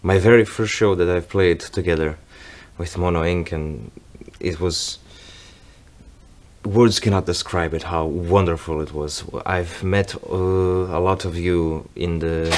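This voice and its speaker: A young man from Croatia with a Croatian accent, a touring bass player giving a grateful, halting greeting to fans from a backstage room. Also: steady tone, a little mellow. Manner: grateful, halting, searching for words. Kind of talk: casual video greeting to fans.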